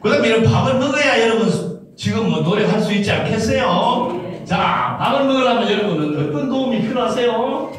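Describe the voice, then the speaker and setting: A man giving a motivational lecture, animated and quizzing the audience with questions. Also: extremely high pitch, brisk, faint music behind. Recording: echoey hall, distant mic.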